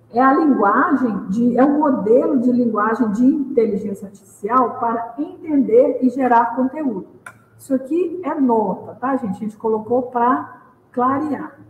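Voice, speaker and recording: Noticeable background noise sits behind the speaker. A woman talks at a high pitch with ordinary pitch variation. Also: fairly slow pace. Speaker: librarian.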